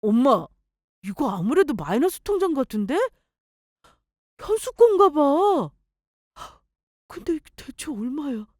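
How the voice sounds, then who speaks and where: A resentful sister-in-law, as a woman narrator puts her on, talking high and sharp with big leaps in pitch. She accuses and complains in the style of a radio storybook drama. The recording is dry and close. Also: big pitch swings, measured pace, pauses often, dry recording. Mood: indignant.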